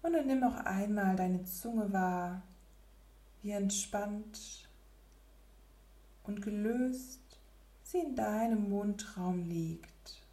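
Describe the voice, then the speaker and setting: A woman leading a guided relaxation meditation in a soft, breathy, near-whispered spa voice with gentle pauses. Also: mid-range voice, echoey room. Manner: slow, gentle, with long pauses.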